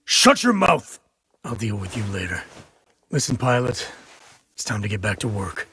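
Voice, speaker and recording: An actor playing a cruel, sneering convict gang boss in a video game, taunting and threatening in a deliberate way. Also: male voice, on the low side, big pitch swings, bright, forceful tone. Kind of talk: video game cutscene acting.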